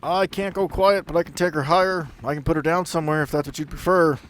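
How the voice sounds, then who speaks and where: A man's voice: a little high, steady tone, quick pace, fairly bright tone, slight background noise, pitched above the performer's own voice, close to an everyday voice. A man voicing a folksy, laid-back military helicopter pilot who jokes and banters loyally in a tabletop game. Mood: teasing.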